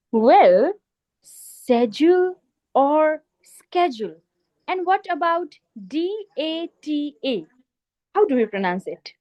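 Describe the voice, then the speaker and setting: A woman hosting a club meeting, giving a formal opening speech with deliberate, emphatic phrasing and rhetorical pauses. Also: high voice, big pitch swings, muffled recording. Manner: emphatic, in short list-like phrases. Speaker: meeting host.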